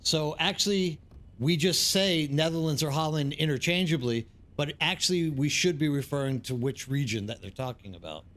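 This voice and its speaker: A live streamer from East Texas, United States, chats casually and ramblingly with viewers while streaming a game, speaking with an American accent. His voice is a little high and fairly bright, at a normal speed.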